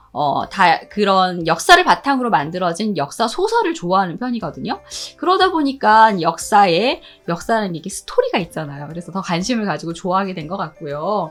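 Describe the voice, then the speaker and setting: A woman at medium pitch with lively intonation and big swings in loudness, music in the background. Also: moderate pace. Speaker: history YouTube storyteller. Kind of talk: casual talk to camera.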